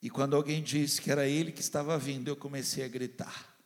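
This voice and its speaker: A man with a Brazilian Portuguese accent preaching a sermon as a pastor, fervent, swinging between loud and hushed delivery, and acting out the voices he quotes. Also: mid-range voice, little pitch movement, brisk. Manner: acts out the lines of people and God he quotes. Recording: long hall reverb.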